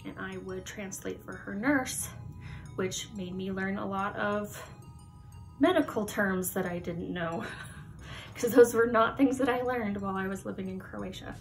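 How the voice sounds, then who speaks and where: A woman's voice: medium pitch, measured pace, creaky, faint music behind. Chatty young woman vlogging at home. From United States. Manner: chatty, laughs often, animated hand gestures. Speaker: YouTuber. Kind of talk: casual chat to camera. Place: Halloween-decorated room indoors.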